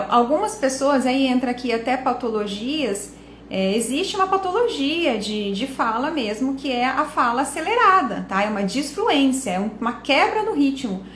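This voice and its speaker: A woman's voice: high voice, reverberant, a little hiss or hum. A woman, hosting a reflective talk to camera and often tossing in rhetorical and tag questions. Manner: conversational, asks rhetorical questions, frequent tag questions. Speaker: speech and listening coach, channel host.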